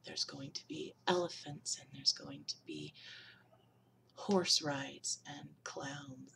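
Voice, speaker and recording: Low-voiced woman softly guiding hypnosis. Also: sing-song, vocal fry, distant mic, a little hiss or hum, low-quality recording. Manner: slow, soothing, drifts into whispers. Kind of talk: guided hypnosis induction.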